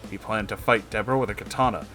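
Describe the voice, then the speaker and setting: A man's voice: fairly low pitch, fast, sharp tone, faint music behind. A man narrating a comedic story in a dramatic, theatrical way.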